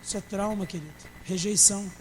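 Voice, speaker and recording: A man's voice: sits high, quick pace, big-room sound, slight background noise, low-quality recording. A man, a pastor preaching a sermon with humor and acting out church members in dialogue. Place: church service.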